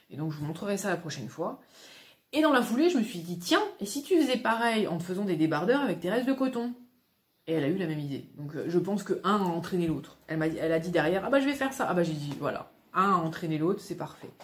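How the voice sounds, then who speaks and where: At a very fast pace, a medium-pitched woman makes very wide pitch swings and big swings in loudness, with audible room echo. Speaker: sewing blogger. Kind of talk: casual vlog monologue. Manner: hesitant, many fillers.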